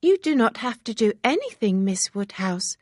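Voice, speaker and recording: An excitable young woman, put on by a female storyteller, her voice lifted noticeably higher and bubbling with breathless, eager exclamations. The storybook recording is dry and close, with no room around it. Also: moderate pace, dry recording. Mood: cheerful.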